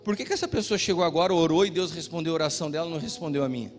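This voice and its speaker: A middle-aged Brazilian pastor preaching a sermon with personal stories, shifting between loud exhortation and quiet storytelling. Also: male voice, on the high side, racing. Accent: Brazilian Portuguese. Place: church. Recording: reverberant church hall with music.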